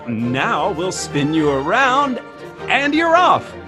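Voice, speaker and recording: A welcoming young nephew and party host in a radio play. His highish voice swoops expressively and effusively, with faint music behind. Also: wildly swooping pitch, slow, heavily acted. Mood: delighted welcome. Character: hospitable younger nephew hosting a Christmas party. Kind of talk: theatrical radio play acting.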